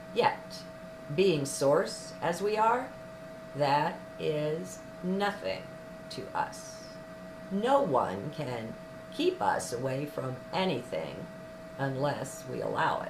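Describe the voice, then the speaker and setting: The speech comes at a very slow pace with long, frequent pauses, over noticeable background noise. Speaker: spiritual channeler. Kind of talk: reading aloud from spiritual journal.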